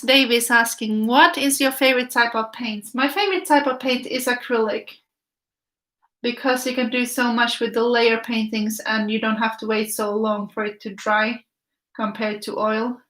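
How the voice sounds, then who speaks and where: A woman's voice: a little high, moderate pace, bright, forceful tone. A woman, teaching a casual live painting class, thinking aloud in short phrases as she works and chatting with viewers. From Finland. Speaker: art teacher.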